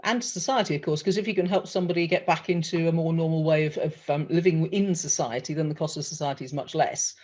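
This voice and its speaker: A woman hosting an interview, effusive and animated as she tells stories and asks questions. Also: low-pitched, quick pace, few pauses. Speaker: interviewer, host. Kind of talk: chatty interview. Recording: dull lo-fi sound.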